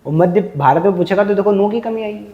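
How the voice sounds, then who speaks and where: A man's voice: high-pitched, quick pace, highs cut off. A man teaching a classroom lecture, quizzing students and drilling numbers through repetition.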